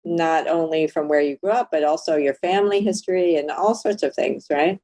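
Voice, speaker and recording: A woman's voice: deep voice, brisk, dark tone, dry recording. A woman coach musing hesitantly during a reflective conversation on a video call. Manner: musing, hesitant, many fillers.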